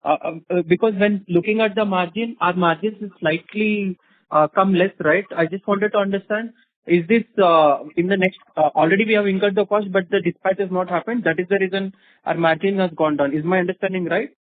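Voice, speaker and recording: High-pitched Indian male caller, thin phone audio. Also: fairly even intonation, brisk, no echo. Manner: deferential, hesitant. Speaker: analyst caller asking questions. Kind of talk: unscripted question and answer. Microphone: telephone. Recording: dry tinny phone line.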